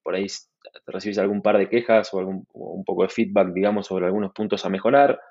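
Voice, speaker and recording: Quick-paced and low-pitched, this man from Argentina talks easily as an interview guest about his work as a startup manager. His Argentine Spanish is relaxed and fluent yet peppered with fillers and many restarts, over dull audio.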